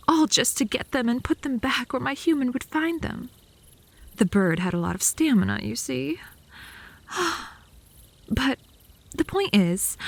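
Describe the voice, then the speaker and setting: A woman's voice: high voice, dry recording, heavily acted. A woman playing a possessive, lovesick, bratty vampire in a comedic ASMR roleplay, haughty and theatrical, by turns flirty and threatening.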